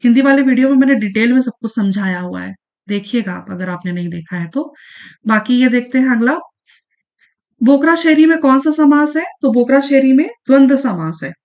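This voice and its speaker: A woman teaching an exam-prep grammar lesson in a casual way, repeating key points and often pausing on fillers. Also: high voice, expressive, darkish tone, dull audio. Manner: repeats points, frequent fillers and "ठीक है, याद रखिएगा".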